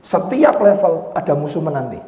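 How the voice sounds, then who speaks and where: A male pastor preaching a sermon dramatically, acting out quoted voices and shouting for emphasis. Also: on the high side, very animated, moderate pace. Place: church hall. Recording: echoey, reverberant hall.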